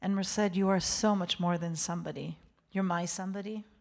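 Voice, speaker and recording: Low-pitched woman giving a heartfelt inspirational address. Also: steady tone, a little fast, creaky. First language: Hebrew. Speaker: guest speaker at a synagogue. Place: speaking live to a synagogue congregation.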